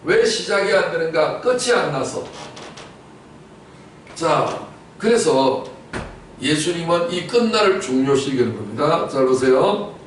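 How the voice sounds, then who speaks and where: A man's voice: on the high side, very animated, measured pace, long pauses. A man preaching a Sunday sermon as pastor, questioning his congregation and repeating key words for emphasis. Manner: rhetorical repetition and sudden loud outbursts. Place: church sanctuary. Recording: echoey church from a distance, faint noise.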